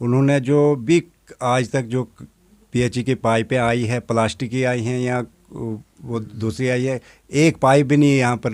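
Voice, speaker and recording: A man speaks at a medium pitch with fairly even intonation. He leaves long, frequent pauses. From Jammu and Kashmir, Mahore area. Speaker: local resident. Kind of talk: interview with reporter.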